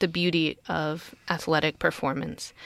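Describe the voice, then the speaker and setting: A woman's fairly low voice, an ordinary speaking voice, at a fairly slow pace, dry and close with no echo, in a very clean recording with a silent background. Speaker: podcast host. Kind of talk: scripted narration. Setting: studio.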